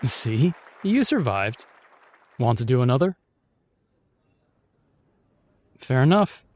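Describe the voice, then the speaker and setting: Man acting as gallant male knight protector, unhurried, widely varied pitch, courtly and tender, fantasy audio roleplay. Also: big pitch swings, some chatter behind. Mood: teasing, tender. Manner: formal courtly phrasing, gently reassuring, hesitant.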